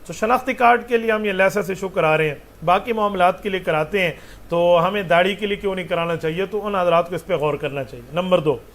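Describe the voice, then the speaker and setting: A man's voice: high-pitched, a little fast, a bit bright. A man, a mufti answering religious questions with patient explanations and rhetorical questions.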